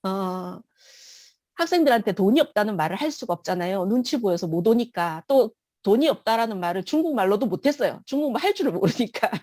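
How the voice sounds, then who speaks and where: A woman's voice: mid-range voice, expressive, fairly quick, darkish tone, no echo. A woman giving an emotional personal testimony in church, telling her story vividly.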